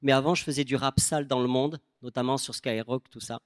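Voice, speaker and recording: A young man from the south of France with a southern French accent, preaching a sermon and telling stories with lively quoted voices. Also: medium pitch, brisk, dry recording, clean studio sound. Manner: animated storytelling, quoting people in changed voices.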